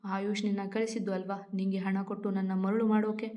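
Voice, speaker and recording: Lady reading a bossy rich guy in a story, harsh and sneering, flat level delivery, dull lo-fi sound. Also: medium pitch, fairly quick, close to an everyday voice. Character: arrogant rich young man, harsh and domineering.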